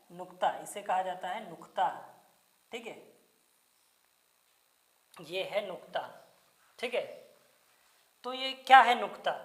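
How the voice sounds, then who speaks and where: A woman's voice: mid-range voice, reverberant. A woman teacher giving a grammar lecture, asking questions and answering them herself and repeating the key terms. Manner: patient, deliberate explaining. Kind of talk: classroom Hindi grammar lecture.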